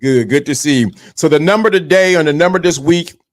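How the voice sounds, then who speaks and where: This livestream host, a man in his fifties, speaks a little fast in a voice on the high side. His motivational address to viewers is direct, preachy, and full of repeated key points.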